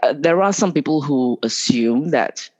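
A man's voice: fairly high pitch, expressive, measured pace, darkish tone. A man from Malaysia, a guest lawyer in an interview, talking casually with many restarts and fillers. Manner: hesitant, many restarts and fillers, laughs often. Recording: dull lo-fi remote audio.

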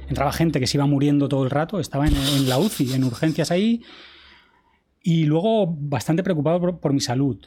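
A man recounts events as a podcast guest. His voice sits a little high yet warm and mellow. He acts out dialogue vividly and swears casually. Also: a little fast. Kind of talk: casual storytelling interview.

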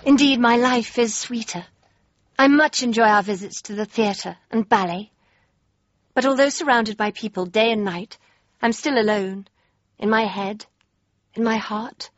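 A woman's voice: on the high side, measured pace, long pauses, no echo, lightly acted. A young woman playing an earnest princess. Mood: reflective. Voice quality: crisp, refined and earnest. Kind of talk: period drama acting and diary narration. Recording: dull dry lo-fi with faint music.

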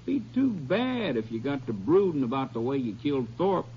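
An actor playing a gloating, taunting outlaw prisoner in a 1950s radio western, sneering with folksy, mock-friendly menace. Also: male voice, mid-range voice, sing-song, moderate pace. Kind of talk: 1950s old-time radio western acting. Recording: muffled vintage radio, faint hum.

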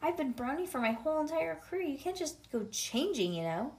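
A woman's voice: high-pitched, very animated, fairly quick, a little mellow, a little hiss or hum, voice pushed up. A woman voicing a dramatic, indignant little schoolgirl from a children's storybook, emphatic and with childish grammar.

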